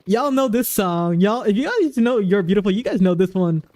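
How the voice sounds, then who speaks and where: A woman's voice: mid-range voice, lively intonation, normal speed, mellow, dry recording. A woman live streaming while gaming, chatting casually with viewers into a desk microphone and reading their messages aloud. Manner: chatty, reads chat aloud, keeps breaking into song. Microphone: desk microphone on an arm.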